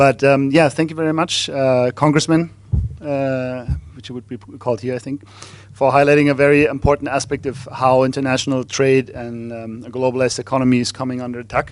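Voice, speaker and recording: The man's medium-pitched delivery is monotone, with flat intonation and big swings in loudness. Noticeable background noise sits under the recording. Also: fairly quick pace. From Germany. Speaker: panel speaker. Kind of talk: conference talk. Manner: fast; hesitant, many fillers.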